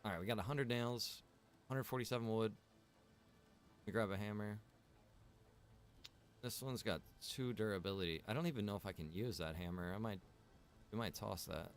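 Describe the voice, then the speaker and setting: A man with a fairly low voice streams a survival game in a casual way. He mutters his commentary as if talking to himself. There is some noise and ambience behind him. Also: moderate pace, long pauses.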